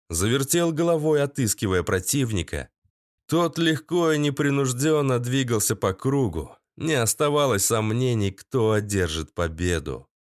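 Male audiobook narrator, steady dramatic read, dead-dry booth sound. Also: medium pitch, dry recording. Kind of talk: scripted narration.

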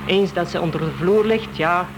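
An actor playing a cold, commanding accomplice in a radio play, giving terse, clipped orders over loud engine noise. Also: male voice, high voice, moderate pace. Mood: cold, insistent. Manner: clipped, controlling, curt.

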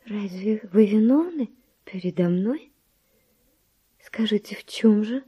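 An actress playing a virtuous young Spanish noble widow, with refined, breathy, emotional delivery in a verse radio drama. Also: female voice, mid-range voice, animated, takes it slowly, warm tone, exaggerated voice. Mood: insistent curiosity.

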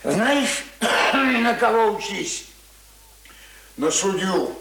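A man's voice: sits high, expressive, drawn-out words, creaky, a bit bright, exaggerated voice. An actor playing a stubborn, uneducated old village man in a radio play, grumbling in folksy, colloquial speech. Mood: musing, opinionated. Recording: roomy radio play recording, faint noise.

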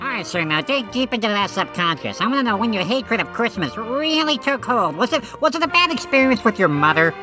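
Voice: medium pitch, very animated, fairly quick, few pauses, close to an everyday voice. A performer playing a pompous, probing amateur psychoanalyst in a comedy radio skit, theatrical and inquisitive. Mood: probing, self-assured. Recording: music playing behind the voice.

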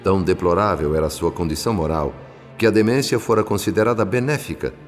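Radio drama narrator, man playing a solemn, compassionate male spirit: low voice, Brazilian accent, long reverb. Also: lightly acted. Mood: grave. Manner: solemn, literary, measured. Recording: long reverb, loud music behind. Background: music.

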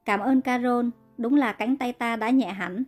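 A woman reading the part of a proud young male king speaking gently and earnestly in a narrated story. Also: on the high side, unhurried, faint music behind. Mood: tender.

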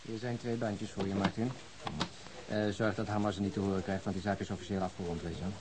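A man's voice: fairly low pitch, little pitch movement, fast, natural voice. A man acting a wry, mock-formal police colleague in a radio drama, speaking ironically. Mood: dryly ironic. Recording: noisy old radio recording.

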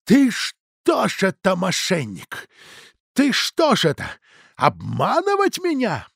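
Male narrator doing hot-headed innkeeper, middle-aged, blustering, lively pitch. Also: slow pace, gravelly, no room sound, clean studio sound, full character voice. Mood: raging. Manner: blustering, swings from rage to hush.

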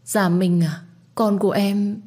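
A woman's voice: medium pitch, steady tone, takes it slowly, darkish tone, pitched above the performer's own voice. Woman putting on a grieving young woman, weak, tearful cries. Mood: pained tearful.

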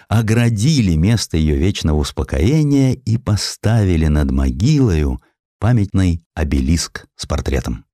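A man's voice: sits low, dark tone, no room sound, clean studio sound. A man narrating a historical audiobook in a dramatic, theatrical storytelling manner.

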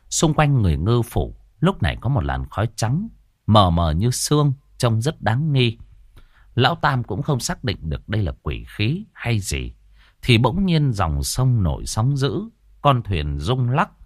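A man narrating a comic ghost story in a colloquial, lively manner. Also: medium pitch, a little slow, dry recording, studio quality.

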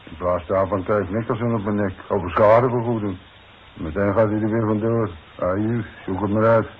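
A man's voice: fairly low pitch, steady tone, normal speed, lightly acted. An actor playing a plain-spoken, worried demolition foreman in a 1960s radio play, talking in blunt, colloquial working-man's language. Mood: worried, coaxing. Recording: muffled, noisy 1960s radio recording.

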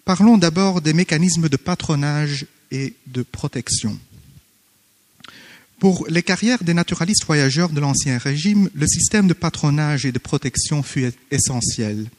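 A man who is not a native French speaker, formally reading a conference paper with hesitant pauses and self-corrections. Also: fairly high pitch, animated, in a large hall. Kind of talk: academic conference paper read aloud. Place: conference hall.

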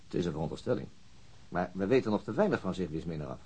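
A man's voice: low-pitched, animated, fast, dark tone, breathy edge. An actor playing a methodical, slightly weary police detective in a radio drama, hesitating as he thinks aloud. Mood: subdued, doubtful. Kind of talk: naturalistic radio drama acting.

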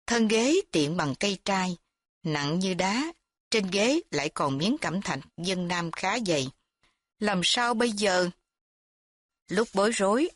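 A woman narrating a dramatic story in a steady reading voice. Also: mid-range voice, no room sound.

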